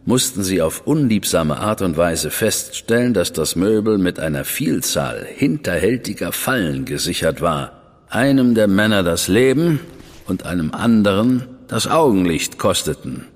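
Super deep voice, dry victorian spymaster type, calm and measured, bit of a long echo on it. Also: male voice. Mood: briefing. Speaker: senior crown official briefing an agent. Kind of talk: studio radio drama acting.

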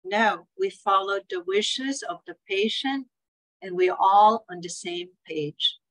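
Over a rough recording, an older Swiss-accented woman from Switzerland speaks slowly in a medium-pitched, fairly bright voice. Sitting indoors at home on a video call, she gives an earnest webinar talk, telling family stories about care planning and acting out the quoted family voices.

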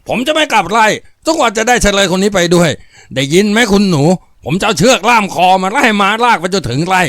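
A man's voice: fairly high pitch, animated, fast talker, a bit bright, no echo, studio quality, pitched above the performer's own voice. A man voicing a coarse, hot-tempered farm foreman who snarls crude threats. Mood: furious.

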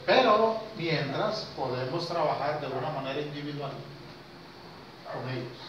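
Older man, slow lecturing delivery, pauses between short phrases, heavy room echo, very noisy recording. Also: on the high side, far from the mic. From Costa Rica. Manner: unhurried, pausing between short phrases, questioning listeners. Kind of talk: informal spiritual lecture to a small class. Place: small indoor classroom with whiteboard. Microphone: handheld camera a few metres away. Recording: very echoey, noisy, muffled room recording from afar.

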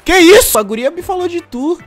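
A man voicing a shrieking, excitable young man in a comedy skit. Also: very high-pitched, brisk. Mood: frantic. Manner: screeching, frantic.

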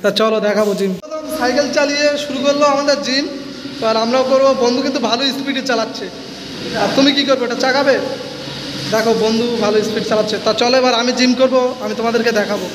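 A young man with a very high voice chats through a phone-held vlog inside a bare, echoing school gym. He rambles and repeats, urging viewers to keep watching, with a long reverb tail and clear background noise around him. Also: fairly even intonation, fast talker. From India. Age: young adult. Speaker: vlogger. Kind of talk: casual vlog narration. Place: echoey school gym room, indoors. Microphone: phone camera held at arm's length. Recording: echoey room with noise.

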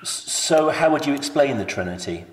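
A man's voice: medium pitch, animated, moderate pace, echoey room, long reverb tail, slight background noise, low-quality recording. Earnest man quoting scripture on a call. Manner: earnest, quotes scripture at length. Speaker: caller questioning a church. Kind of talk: recorded phone call debate.

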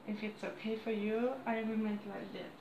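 A woman in her thirties with a French accent, chatting to camera at home in halting English, losing her voice. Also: medium pitch, little pitch movement, a little mellow, reverberant, highs cut off, slight background noise. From France. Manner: halting non-native English with frequent restarts and apologies. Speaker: crafts vlogger. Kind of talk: casual chat to camera. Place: small room indoors at home. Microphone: camera on a desk close by.

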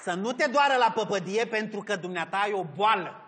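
A man's voice: high-pitched, expressive, in a large hall, a loud crowd, very noisy. A man playing a speech therapist in a comedy sketch, exasperated and over-articulating every sound.

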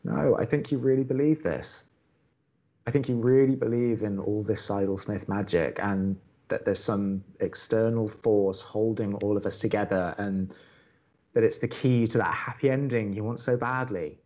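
A young college radio co-host in an audio drama, wry, blunt and impatient. His voice sits fairly low and he speaks with sardonic emphasis. The sound is slightly dull. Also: normal speed, mellow. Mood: earnest, firm. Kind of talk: naturalistic audio drama dialogue.

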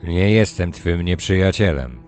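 Stern Puritan wanderer played by a man: low-voiced, gloomy, fury held in check, audiobook adventure. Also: expressive, unhurried, a little mellow, faint music behind. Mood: calm. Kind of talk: dramatized audiobook acting.

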